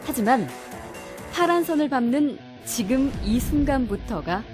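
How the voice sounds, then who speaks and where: A woman narrates a documentary with a calm, polished announcer's delivery. Her voice sits slightly high, and music plays behind her throughout. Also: a little slow.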